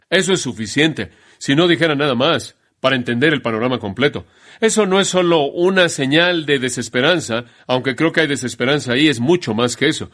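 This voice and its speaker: A man preaching a sermon in an emphatic way, slowing down to stress key phrases. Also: mid-range voice, a bit bright.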